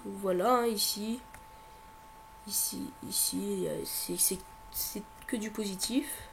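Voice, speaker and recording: Fighting a cold, a man with a high, slightly bright voice records a computer tutorial at a measured pace with fairly even intonation. His delivery stumbles: fillers, repeated words and restarted sentences, all over a faint background hum.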